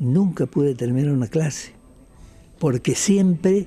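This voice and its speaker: Lively intonation marks a man's very slow delivery, pitched fairly high. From eastern Catamarca, Argentina. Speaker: journalist and researcher. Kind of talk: interview. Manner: reflective, frequent hesitations.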